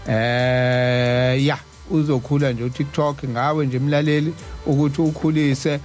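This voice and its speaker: A man's voice: medium pitch, level tone, a little slow, a little mellow. A man with a South African accent hosting live radio in casual talk, often stammering and repeating syllables as he goes. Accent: South African Zulu-speaking. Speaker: radio host. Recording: music behind the voice. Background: music.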